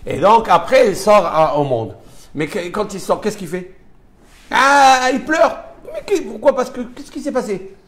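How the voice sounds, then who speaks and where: A man's voice: high voice, animated, measured pace. A man teaching a live religious lesson to students, speaking emphatically, firing rhetorical questions and weaving Hebrew terms into his explanations. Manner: mixes Hebrew terms into French. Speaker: rabbi teaching a Torah class.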